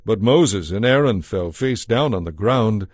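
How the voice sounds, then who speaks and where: A man narrating scripture from a script as a storyteller, in a measured, solemn way. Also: lowish voice, expressive, a little mellow, no echo, studio quality.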